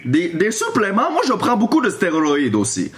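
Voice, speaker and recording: A young man with a high voice and a Quebec French accent. He talks casually, in the bantering style of a prank caller hosting a video. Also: huge pitch swings, moderate pace. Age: young adult. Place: small room indoors.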